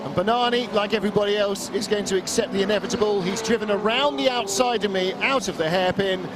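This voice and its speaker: A man's voice: sits high, fast. A man giving live motorsport commentary as a race commentator, describing the action emphatically with repeated phrases. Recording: loud car and engine noise behind.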